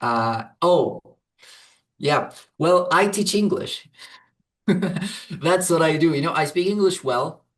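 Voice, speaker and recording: A man's voice: fairly high pitch, expressive, takes it slowly, pauses often, recorded from a distance. Hesitant Arabic-speaking man. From Saudi Arabia. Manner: hesitant, many fillers and restarts. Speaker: program client, English teacher. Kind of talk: interview answers.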